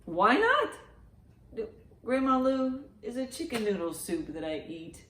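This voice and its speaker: A woman hosting a children's storytime in an animated, encouraging, sing-song way, with rhymes and picture-book reading. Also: fairly high pitch, unhurried, slight background noise. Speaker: library storytime host. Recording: roomy, echoey indoor sound.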